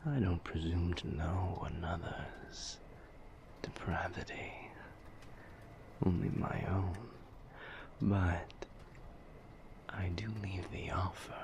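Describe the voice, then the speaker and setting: A man playing a suave, flirtatious vampire in intimate roleplay audio, with breathy half-whispers and formal, silky phrasing. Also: sits low, exaggerated voice. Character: suave seductive male vampire, indulgent and flirtatious.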